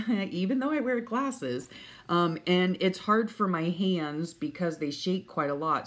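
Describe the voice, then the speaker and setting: A woman with a low voice chats casually to her viewers as a vlogger. Her pace is unhurried and meandering, with a folksy, hesitant way of talking. She sounds congested and sniffly. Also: slight background noise. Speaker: vlogger showing stationery. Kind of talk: casual rambling chat. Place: at home.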